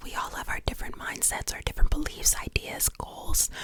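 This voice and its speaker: Amid clear background noise, a woman speaks in a whisper. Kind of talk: casual heartfelt talk to camera with life advice. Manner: whispered, soft.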